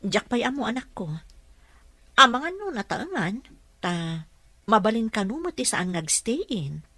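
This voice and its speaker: A woman playing a humble, hard-up mother and household helper in a radio drama, gentle and deferential. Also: on the high side, big pitch swings, a little slow, dry recording, exaggerated voice. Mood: gentle, motherly.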